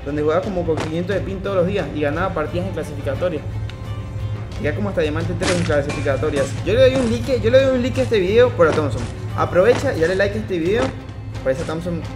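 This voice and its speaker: Fast and expressive, this high-pitched young Venezuelan man streams his gameplay in casual chat, his Venezuelan Spanish accent clear. He keeps tagging "eh" onto his lines while pumping up viewers. Game music plays in the background of his small home room, picked up by a headset boom mic.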